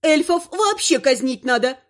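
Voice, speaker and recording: A man voicing a squeaky, cheeky, tipsy female chinchilla. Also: sing-song, normal speed. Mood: snappy. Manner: squeaking, chattering.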